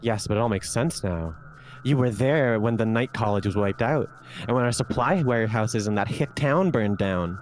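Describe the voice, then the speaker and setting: A man's voice: lowish voice, normal speed, faint music behind, pitched below the performer's own voice, lightly acted. A man voicing a pompous, aggrieved villainous theater director in a game, with overacted death-scene theatrics. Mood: aggrieved, boastful.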